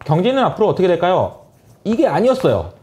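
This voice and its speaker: Lively, mellow-voiced man explaining markets. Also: sits high, fast. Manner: animated storytelling, acting out quotes. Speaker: investment lecturer.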